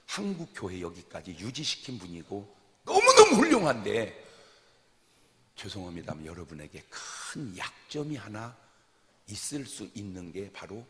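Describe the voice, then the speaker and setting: A man preaching a sermon in a large church hall, his pitch swinging widely as he moves from hushed lines to shouted ones. His voice is bright and forceful. A long reverb trails after every phrase. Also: a little hiss or hum. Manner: dramatic, shifts from hushed to shouting. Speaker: pastor.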